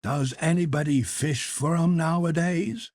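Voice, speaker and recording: A man's voice: fairly high pitch, measured pace, a little mellow, no echo, clean studio sound, pitched above the performer's own voice. A man voicing a blunt, jovial Canadian whaler in an audiobook, with a folksy, teasing, skeptical way of talking. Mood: curious. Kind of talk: audiobook character dialogue.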